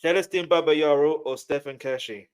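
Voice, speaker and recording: A man's voice: on the high side, moderate pace, clean tone. A man hosting a casual interview, informally circling and rephrasing his questions as he goes. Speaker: interviewer, host.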